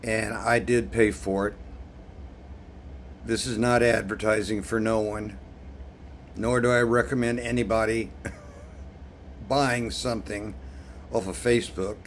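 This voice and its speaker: A man's voice: on the low side, steady tone, slow pace, long pauses. A man chatting casually as a video blogger through an unboxing, with a wry manner and an irritated throat. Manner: wry, chuckling at own remarks. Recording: noticeable background noise.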